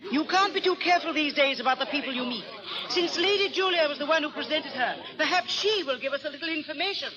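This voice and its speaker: A woman's voice: sits high, fast, a crowd in the background, natural voice. An actress playing a nosy, prim aristocratic lady with mannered politeness in old-time AM radio drama. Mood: gossipy. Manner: mannered, gossipy, hesitant politeness. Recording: dull AM radio sound, music.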